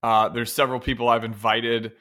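Male podcast co-host, bright forward tone, casual, jokey, self-deprecating conversational read. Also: medium pitch, little pitch movement, brisk. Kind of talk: casual chat.

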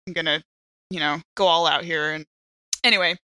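A woman with a bright, forward voice talks as a player in a tabletop game. She speaks informally and haltingly, working out moves aloud, in a very dry recording. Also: low voice, steady tone, no echo. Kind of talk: casual in-game chat.

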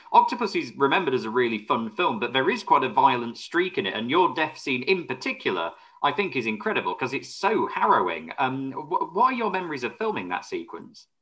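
Bright, low-voiced male interviewer. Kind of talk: interview questions.

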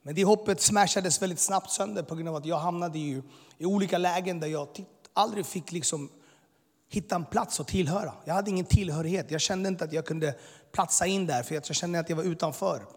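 A man in his thirties who came to Sweden as a boy gives an earnest, intense personal testimony, full of filler words. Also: high voice. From immigrated to Sweden as a boy. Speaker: speaker giving his testimony. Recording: long hall reverb.

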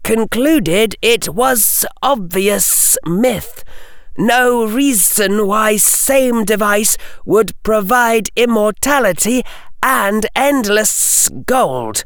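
A man reading an audiobook voices a clever, earnest young wizard boy in a higher, urgent pitch. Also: fairly bright tone, no room sound, studio quality, heavily acted. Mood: analytical. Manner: urgent, pleading, raised pitch.

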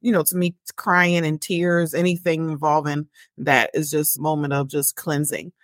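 A woman's voice: low-pitched, level tone, normal speed, dry recording, studio quality. A woman in her forties from Baltimore, a guest talking candidly about her faith, joking and laughing easily. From Baltimore, Maryland. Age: 40s. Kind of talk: casual interview.

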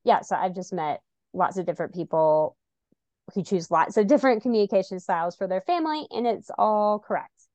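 A woman's voice: mid-range voice, brisk, darkish tone, no room sound. A woman guest chatting casually about her family, with many "like" and "you know" fillers. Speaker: guest parent. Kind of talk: casual conversation.

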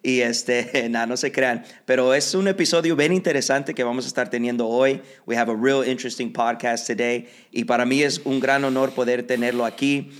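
A man's voice: medium pitch, normal speed, few pauses. Laid-back man hosting a podcast. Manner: relaxed, many fillers, mixes Spanish and English. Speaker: podcast host. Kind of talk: casual bilingual interview.

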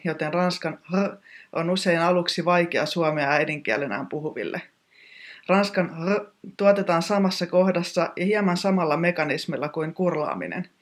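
A teacher giving a scripted pronunciation lesson in a precise, technical, instructive manner. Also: mid-range voice.

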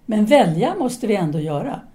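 Audio drama role: self-assured woman intellectual played by an actress, seductive, formal and articulate, dark mellow voice. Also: medium pitch, big pitch swings, close to an everyday voice. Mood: earnest, philosophical. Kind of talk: audio drama dialogue acting.

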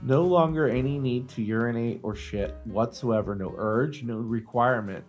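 A man's voice: mid-range voice, normal speed, faint music behind. A man co-hosting a casual comedy podcast, joking crudely and teasing his friend. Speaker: podcast co-host.

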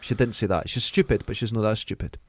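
A man's voice: on the low side, fast. Chatty man with a Dundee accent. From Dundee, Scotland. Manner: chatty storyteller, lively anecdotes. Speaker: podcast co-host. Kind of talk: casual chat.

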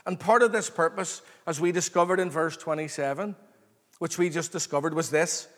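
High-voiced male preacher in a reverberant hall. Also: normal speed. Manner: earnest, excited, emphatic with repeated phrases and calls for response. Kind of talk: expository sermon to a congregation. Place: large reverberant room, live before a congregation.

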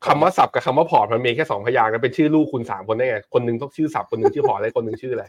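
A man hosting a live investment talk show, bantering in a teasing, quick-witted, playful way. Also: mid-range voice. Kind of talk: casual banter on a live stream.

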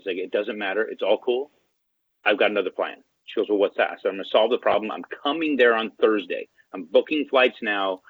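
Low husky guy telling a story, acts out all the back and forth, sounds like a phone call. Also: no echo. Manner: animated, acts out quoted dialogue. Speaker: interview guest. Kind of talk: casual storytelling. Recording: tinny phone-line sound, dry.

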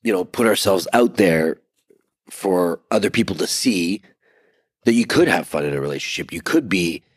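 A congested man in his forties co-hosting a casual couple's podcast, energetic and restarting words as he goes. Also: sits low, moderate pace, husky, dry recording, studio quality. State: congested, stuffed-up voice. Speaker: podcast co-host.

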